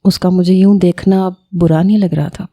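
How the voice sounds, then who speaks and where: A woman reading a first-person romance story in a calm, measured manner. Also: on the low side.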